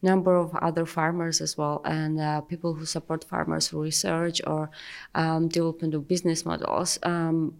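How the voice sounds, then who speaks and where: A woman with a Georgian accent talks on an informal panel as a farmer. Her pitch is low, and fry runs through the voice. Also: little pitch movement, moderate pace, a little mellow. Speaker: farmer and project ambassador.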